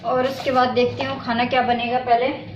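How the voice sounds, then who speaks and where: A woman's voice: on the high side, little pitch movement, normal speed, dull audio, over loud music. A young woman vlogging from her home kitchen as she cooks, unwell and weak, chatting to viewers and then venting at online trolls. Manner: talks to viewers while doing chores, then vents against trolls. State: unwell and weak, neck pain. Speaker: village vlogger. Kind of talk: casual home vlog while cooking.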